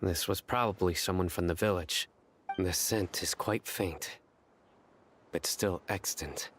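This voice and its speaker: A man voicing a stern, composed investigator in a video game, measured, terse and deadpan. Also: sits low, slight background noise. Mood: analytical.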